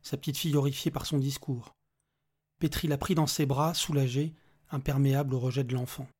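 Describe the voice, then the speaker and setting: A man narrating a dark short story in a measured, dramatic reading style. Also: mid-range voice, fairly even intonation, slightly rough. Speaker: reader of short stories. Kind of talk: scripted narration.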